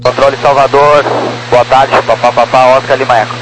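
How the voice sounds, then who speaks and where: A man's voice: mid-range voice, little pitch movement, fairly quick. A man with a Brazilian accent speaking as a pilot in clipped readbacks over aviation radio. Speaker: aircraft pilot. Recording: noisy, humming aircraft radio transmission.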